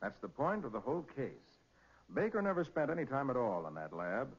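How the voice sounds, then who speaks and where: A confident American male detective from a 1940s crime drama. He explains things with assurance in a lively, slightly rough-edged voice. The recording is old, muffled radio. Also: mid-range voice, fairly quick. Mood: assured, explanatory.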